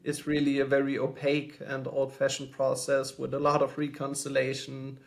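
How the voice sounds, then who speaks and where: A man's voice: mid-range voice, monotone, moderate pace, creaky. A man from Germany calling in from home as a podcast guest, thoughtful and hesitant with many fillers. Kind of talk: podcast interview answers.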